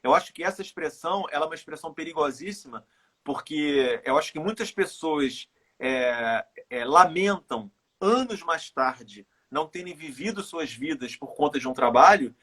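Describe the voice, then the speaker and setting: Middle-aged Carioca man, husky and a bit high, thoughtful guest who circles back on his words. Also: animated, fairly bright tone. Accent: Carioca Brazilian Portuguese. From Rio de Janeiro, Brazil. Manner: reflective, halting, repeats words while thinking. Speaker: guest, runner and author. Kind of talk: casual live interview chat.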